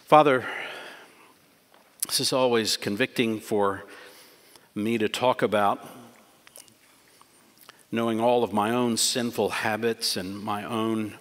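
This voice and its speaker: Middle-aged pastor preaching in a reverberant church. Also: male voice, lowish voice, steady tone, slow pace, pauses often, a bit bright. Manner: earnest, emphatic preaching with repeated phrases. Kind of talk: sermon and closing prayer. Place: church sanctuary, at a pulpit. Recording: long church hall reverb.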